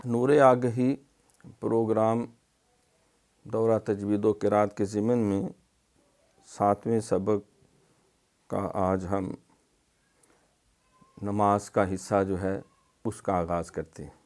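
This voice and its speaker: Smooth-voiced man drilling recitation sounds. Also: lowish voice, little pitch movement. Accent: Pakistani Urdu. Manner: drills letter sounds slowly, then explains; stretches syllables, louder on drills. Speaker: Quran recitation teacher. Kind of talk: recorded tajweed lesson.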